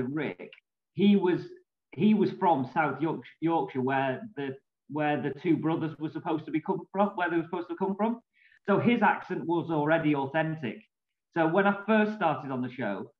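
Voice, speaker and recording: Chatty northern English man on a video call. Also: a little high. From England. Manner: chatty, laughs easily. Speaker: soap actor. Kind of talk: casual interview chat. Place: small room at home. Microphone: laptop video call. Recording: echoey, dull video call audio.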